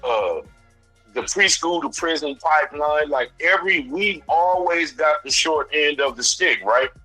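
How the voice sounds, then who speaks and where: A man calls in to a radio show with a bright, forceful voice on the higher side. He argues his point emphatically in loose street slang, with a dry, close sound and music running underneath. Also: lively intonation, unhurried, no room sound, low-quality recording. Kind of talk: opinionated call-in debate.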